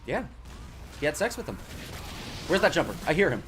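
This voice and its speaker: A man's voice: fairly high pitch, big pitch swings, fairly quick, a bit bright, slight background noise. A man in casual voice chat while gaming, joking and teasing. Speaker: gamer chatting while playing.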